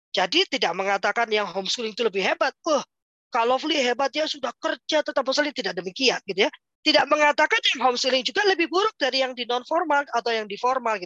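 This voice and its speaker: Loud and very fast, a woman speaks at a high pitch with very wide pitch swings. The sound is dry and close, with no echo. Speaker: homeschooling trainer and practitioner. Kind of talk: online discussion webinar. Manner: loud, forceful. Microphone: laptop not working, cannot share screen.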